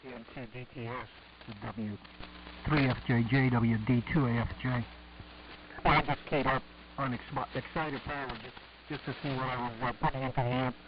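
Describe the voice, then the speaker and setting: A man's voice: mid-range voice, moderate pace. A man talking casually and thoughtfully, with halts, as an amateur radio operator on an AM shortwave transmission. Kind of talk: casual technical chat over ham radio. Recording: noisy, dull AM shortwave radio. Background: steady radio noise.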